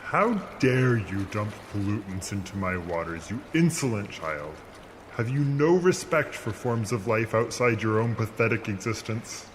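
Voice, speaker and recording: A deep-voiced, immortal sea monster, stern and vengeful. The speech is grand and formal, full of scorn for mortals, with watery noise clearly behind it in this audio drama. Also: male voice, lively intonation, measured pace. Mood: indignant, scornful.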